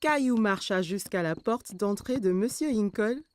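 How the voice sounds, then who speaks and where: A woman narrating a children's cartoon story in a gentle, expressive storytelling manner. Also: mid-range voice, a little slow, a little hiss or hum, close to an everyday voice.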